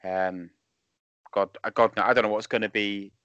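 A man in his thirties with a lisp, talking casually as a podcast guest over a remote call, self-deprecating and halting. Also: lowish voice, steady tone, a bit bright, clean tone, no echo. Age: 30s. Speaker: podcast guest, wrestling referee. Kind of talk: casual chat. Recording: dull lo-fi call audio.

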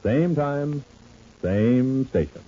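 A man speaking as an old radio announcer, reading scripted sponsor pitches and serial narration with emphatic salesmanship. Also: lively intonation, extremely slow, dark tone. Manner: emphatic salesman delivery with repeated slogans. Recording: muffled vintage radio broadcast recording.

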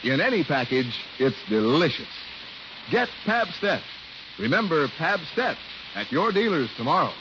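Emphatic male radio announcer, lively pitch, old dull broadcast sound. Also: measured pace, very noisy. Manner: hearty, emphatic.

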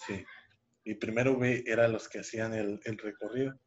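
A man's voice: fairly low pitch, fairly even intonation, moderate pace. A young man tells a personal story on a podcast, rambling with restarts and fillers. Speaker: podcast co-host. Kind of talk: casual storytelling. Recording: dull lo-fi sound.

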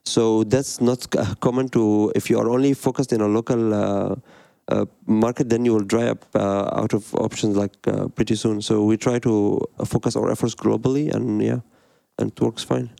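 A man's voice: lowish voice, flat delivery, moderate pace, vocal fry, dark tone, no room sound. A man from Egypt in his thirties, a design studio director answering interview questions in a hesitant way, with many fillers and restarts.

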